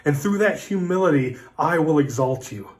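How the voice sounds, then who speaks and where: A man in his thirties giving a midweek devotional sermon as pastor, talking in a relaxed, conversational, storytelling way with casual fillers. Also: fairly high pitch, moderate pace. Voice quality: conversational, storytelling delivery with acted-out dialogue. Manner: relaxed, folksy preaching with fillers like "like" and "listen".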